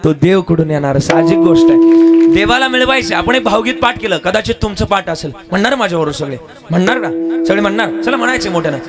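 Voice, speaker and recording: A man with a strikingly high voice delivers a devotional kirtan sermon to a village gathering. He asks rhetorical questions, prompts the crowd to answer back, and slips into song. His voice comes through a microphone, with devotional instruments playing clearly underneath. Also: quick pace. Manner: animated, rhetorical call-and-response, breaks into song. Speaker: kirtan preacher. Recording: live music accompaniment.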